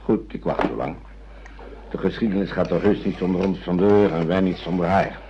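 A man's voice: sits low, fairly even intonation, brisk. An actor in a radio play playing an elderly, concerned grandfather with a philosophical turn. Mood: calm. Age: older. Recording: dull, faintly noisy radio play recording.

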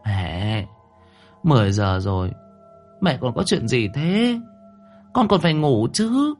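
A man's voice: medium pitch, very animated, slow, darkish tone, faint music behind, pitched above the performer's own voice. A man voicing a spoiled, scheming teenage girl who whines and coldly blames others. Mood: sleepy whine. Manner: whiny, then cold and accusing.

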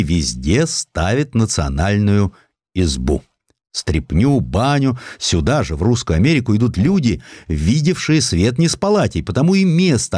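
A man reading scripted historical sketches as an audiobook narrator, in an expressive storytelling manner. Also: fairly low pitch, no echo, studio quality.

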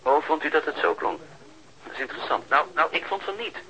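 An actor playing a chatty, pedantic sound technician in a radio drama, hesitantly explaining things step by step over the telephone. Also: male voice, on the high side, fairly quick, gravelly, sharp tone, rough recording. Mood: fussy, matter-of-fact.

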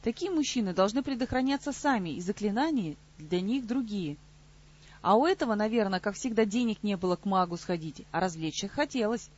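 A woman voicing a brash, aggressive woman in an audiobook, scolding in a shrill, husky voice. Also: lively intonation, brisk, a little mellow, highs cut off, natural voice. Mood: indignant. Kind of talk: audiobook character voice.

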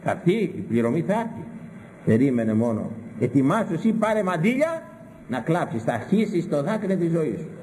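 A man's voice: a little high, sing-song, darkish tone, slight background noise. Stern preacher man, long hall reverb. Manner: stern, scolding, full of rhetorical questions. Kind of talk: sermon with Bible interpretation.

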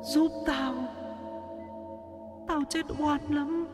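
A man voicing the wailing ghost of a wronged young woman, pleading in a faint, drawn-out voice. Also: very high-pitched, little pitch movement, over music, pitched above the performer's own voice, exaggerated voice. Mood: mournful.

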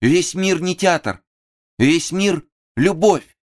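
A man voicing a small young actress in an audiobook, who cries out her love in a shrill, desperate plea. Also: expressive, slow, darkish tone. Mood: pleading.

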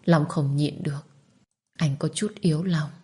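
A woman narrating a dramatic story in a steady, even delivery. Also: low voice, a little slow.

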